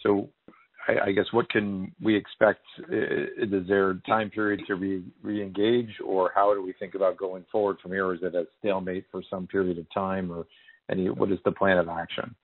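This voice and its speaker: Deep, flat male analyst by phone. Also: moderate pace, no echo. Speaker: analyst caller. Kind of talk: casual question on earnings call. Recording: dry, muffled phone line.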